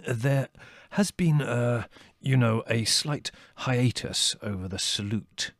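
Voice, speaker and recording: A man voicing a gentle, scholarly older man who speaks haltingly, full of ums and uhs. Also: mid-range voice, dry recording, clean studio sound. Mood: hesitant.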